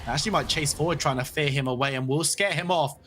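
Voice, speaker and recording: A man calling play-by-play for a competitive video game match, talking in a steady, flowing way with some playful banter. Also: a little high, fast, a little hiss or hum. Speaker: esports play-by-play caster.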